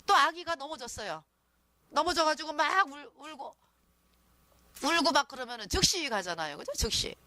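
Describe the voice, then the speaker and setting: A woman's voice: high-pitched, expressive, normal speed, pauses often, sharp tone, no room sound. A woman preaching a sermon in a conversational way, often asking the listeners to agree with her.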